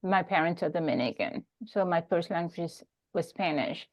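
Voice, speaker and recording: A woman from New York City chatting casually with her coach, telling her background in a relaxed way. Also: lowish voice, moderate pace, low-quality recording. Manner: relaxed storytelling, laughs lightly. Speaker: coaching client. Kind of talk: casual chat. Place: video call.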